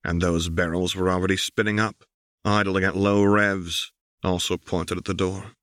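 A man's voice: low voice, little pitch movement, moderate pace, a bit bright, no echo, clean studio sound. A man reading an audiobook as scripted, dramatic story narration. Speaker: audiobook reader.

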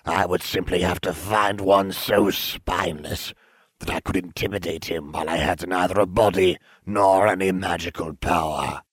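Villain for audio storybook: a man as pompous disembodied dark lord, deep register, unhurried, deadpan, close dry sound. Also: breathy edge, dry recording. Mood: haughty. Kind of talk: fan fiction audio storytelling.

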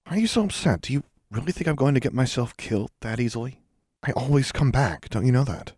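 A man's voice: low-pitched, brisk, no room sound, studio quality. Man as a bold, blunt young witch girl. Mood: reassuring.

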